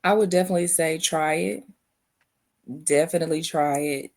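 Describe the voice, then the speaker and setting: Young woman guest, low gravelly voice, reflective and soft-spoken. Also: moderate pace. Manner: thoughtful, repeats phrases, soft spoken. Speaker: guest, veteran and business owner. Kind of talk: reflective interview answers.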